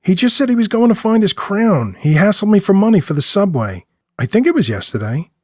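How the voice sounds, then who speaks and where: A man voicing an agitated, confused street man who talks haltingly, repeating and correcting himself. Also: sits high, very animated, no echo, clean studio sound, voice pushed up.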